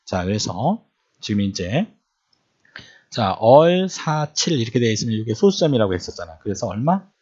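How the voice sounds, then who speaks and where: A man's voice: lowish voice, big pitch swings, normal speed, warm tone, slightly rough. A man teaching electronics in a lecture style, often repeating points and quizzing the listeners with questions. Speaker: electronics instructor. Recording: dull lo-fi recording.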